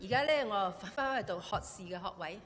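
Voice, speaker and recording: A woman's voice: medium pitch, expressive, fairly quick, a bit bright. A woman with a Cantonese accent who interprets a sermon phrase by phrase, right after the preacher. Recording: long reverb of a church hall.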